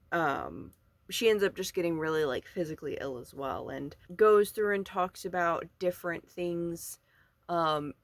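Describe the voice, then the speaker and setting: A book vlogger chatting casually and informally about their reading, in a halting way with frequent asides. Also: mid-range voice, a bit bright, no echo. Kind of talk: casual book review chat to camera.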